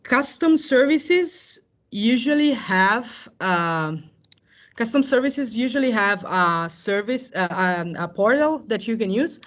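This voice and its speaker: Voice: medium pitch, animated, takes it slowly, a bit bright. Hesitant tech presenter. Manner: hesitant, frequent fillers and self-corrections. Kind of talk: technical talk on cloud AI services.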